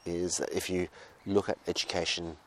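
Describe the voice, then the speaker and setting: A man with an Australian accent talks through his thoughts in a casual, meandering monologue. His voice sits very low, and he often stops and restarts his phrases. He is recorded outdoors. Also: little pitch movement, slight background noise. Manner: halting and digressive, restarting phrases. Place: outdoors with birds nearby.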